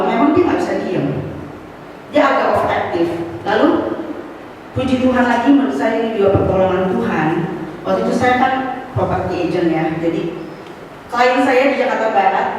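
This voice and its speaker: There's a faint hiss or hum as a middle-aged woman, voice on the high side, recounts her personal testimony at a church fellowship. She tells it with animation, building to exclamations and dropping in casual asides, slang and English words, coughing slightly now and then. The church hall echoes, and she is far from the mic.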